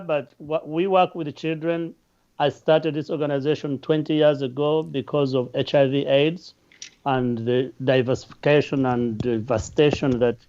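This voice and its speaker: A man's voice: fairly high pitch, a little mellow, smooth. A man with a Ugandan accent introducing his nonprofit on a panel in an earnest way, with light jokes. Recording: muffled lo-fi audio.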